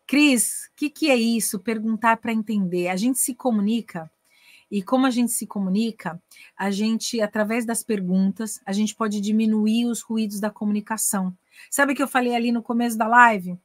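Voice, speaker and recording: A middle-aged Brazilian woman teaches English in a relaxed online masterclass. She speaks with a Brazilian Portuguese accent and a lively, animated delivery, acting out dialogues between languages. Her voice is recorded dry and close, with no room echo. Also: fairly high pitch, moderate pace.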